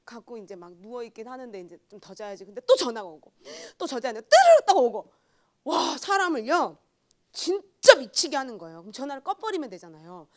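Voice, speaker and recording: Animated, high-pitched woman preaching. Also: brisk. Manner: animated storytelling, swings between loud outbursts and hushed asides. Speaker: junior pastor. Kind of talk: sermon with personal testimony.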